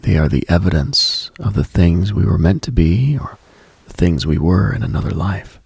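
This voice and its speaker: A man hosting a late-night radio show in an intimate, contemplative monologue, hushed and unhurried, with a husky, gravelly, breathy voice. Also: sits low, lively intonation, dry recording. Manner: hushed, unhurried, contemplative, addresses listener directly.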